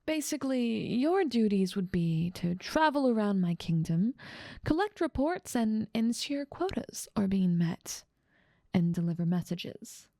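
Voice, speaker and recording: A woman's voice: medium pitch, big pitch swings, measured pace, creaky, warm tone, no echo, studio quality. A woman voicing a dominant demon ruler of hell in an ASMR roleplay, teasing, condescending and self-assured. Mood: coaxing.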